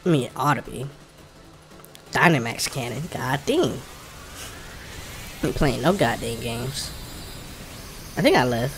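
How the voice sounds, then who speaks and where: A man's voice: mid-range voice, lively intonation, unhurried, pauses often. A man with an African American English accent gives casual commentary while playing a video game, informally thinking aloud and muttering to himself. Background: game music.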